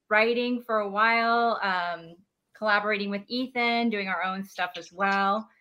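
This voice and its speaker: Bright-voiced woman from Mexico City. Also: mid-range voice, muffled recording. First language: Spanish. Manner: chatty, friendly, quotes others lightly. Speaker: guest, writer and director. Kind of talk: casual interview chat.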